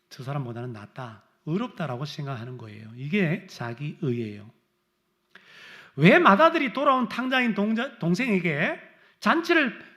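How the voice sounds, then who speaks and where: Animated, bright-voiced male pastor preaching. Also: muffled recording. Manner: dramatic, acts out complaints in raised voice, then drops low. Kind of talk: sermon.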